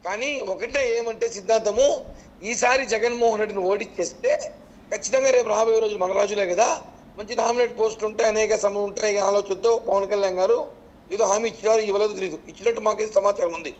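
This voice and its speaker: A man's voice: high-pitched, fairly even intonation, fast, a little mellow, dull audio. A man defending himself in a political debate, explaining at length with repeated false starts. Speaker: political party leader as debate guest.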